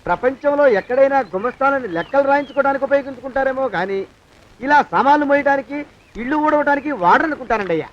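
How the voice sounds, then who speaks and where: Brief: put-upon clerk griping under his breath; very high, fast, dull old film sound. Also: animated, slight background noise. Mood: grumbling. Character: grumbling male clerk forced into chores. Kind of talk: film comedy dialogue.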